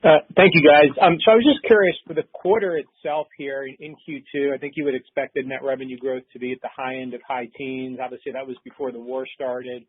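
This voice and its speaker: A man's voice: mid-range voice, steady tone, fairly quick, hardly any pauses, breathy edge, dry recording. A man speaking as a financial analyst, asking a question during an earnings call. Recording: dry, tinny phone line.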